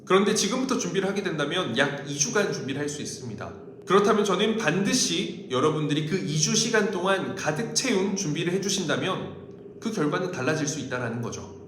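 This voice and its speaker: The recording has a clear room echo and a faint layer of noise. A man speaks to viewers as a coach, polite and explanatory. His intonation is highly animated as he walks through his advice point by point. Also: a little fast. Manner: polite, explanatory, step-by-step delivery. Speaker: job interview coach and host. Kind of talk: instructional talk to viewers.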